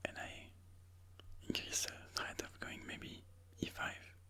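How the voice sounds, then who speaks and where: Bright ASMR whisper, hushed chess commentary. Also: slow pace. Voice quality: whispered, breathy, unvoiced. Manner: hushed, musing aloud move by move.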